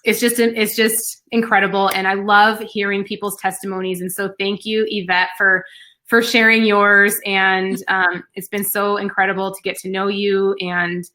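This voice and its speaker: A woman's voice: mid-range voice, flat delivery, normal speed, sharp tone. A woman hosting a live video chat, enthusiastic and encouraging, often repeating herself. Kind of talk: upbeat network marketing chat.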